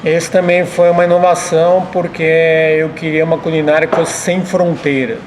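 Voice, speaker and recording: In an interview, a middle-aged man who owns a restaurant lays things out calmly and deliberately. The pitch is slightly high, the delivery flat, with a low hum of room noise behind.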